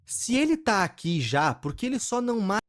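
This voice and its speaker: A man's voice: sits high, big pitch swings, fairly quick, fairly bright tone. A man with a Brazilian accent narrating a scripted recap in an informal, irreverent, opinionated way. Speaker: video essay narrator. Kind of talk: scripted story recap with commentary.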